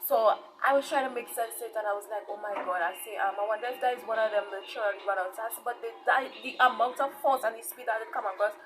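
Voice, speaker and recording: A woman's voice: fairly high pitch, quick pace, hardly any pauses, fairly bright tone, rough recording. A woman from Saint Vincent and Trinidad with a Caribbean accent, giving informal testimony as an online preacher, repeating herself and often checking in with her listeners. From Saint Vincent, grew up in Trinidad. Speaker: online preacher and channel host.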